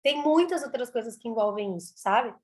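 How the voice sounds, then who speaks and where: A woman, a speech therapist explaining her work in an interview, animated and repeating words for emphasis. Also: fairly high pitch, brisk. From Brazil.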